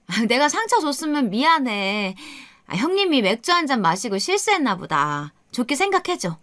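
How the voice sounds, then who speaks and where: A woman's voice: high voice, big pitch swings, moderate pace, fairly bright tone, no echo. A woman voicing a breezy, tipsy middle-aged sister-in-law in a radio story. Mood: dismissive. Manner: breezy, brushing it off.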